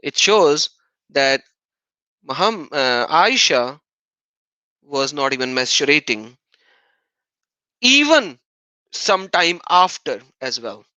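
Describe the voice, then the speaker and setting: A man's voice: a little high, very animated, slow pace, pauses often, bright, forceful tone, no echo, rough recording. A man whose native language is Urdu, hosting a heated livestream debate and reading out viewer donations, combative and insistently repeating his point.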